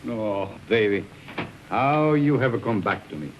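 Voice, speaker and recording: An actor with an Italian accent playing a boisterous, drunken army officer who teases, laughs and mocks in theatrical 1930s film style. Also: male voice, on the low side, lively intonation, unhurried. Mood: drunk teasing. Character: boisterous drunken male officer, teasing and swaggering. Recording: muffled old film soundtrack with hiss.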